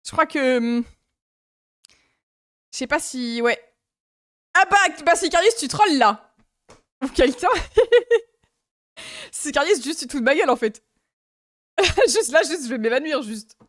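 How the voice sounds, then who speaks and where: A woman's voice: high-pitched, animated, normal speed, pauses often, fairly bright tone, no room sound, studio quality. A young woman from France streaming live, chatting casually and giggling as she reacts to her viewers.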